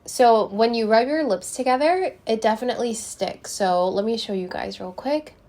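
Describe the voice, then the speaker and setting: A woman's voice: a little high, moderate pace, darkish tone. A young woman vlogging a casual lipstick review, chatting to viewers as she swatches and applies, a little congested from a cold. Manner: chatty, talks to viewers while applying lipstick. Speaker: beauty vlogger.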